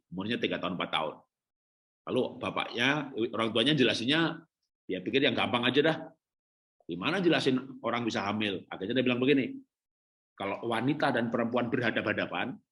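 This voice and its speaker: A middle-aged male pastor preaching on parenting, telling stories with lively acted-out dialogue and frequent laughter. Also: mid-range voice. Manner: lively storytelling, acting out children and parents, laughing often. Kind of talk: sermon on parenting.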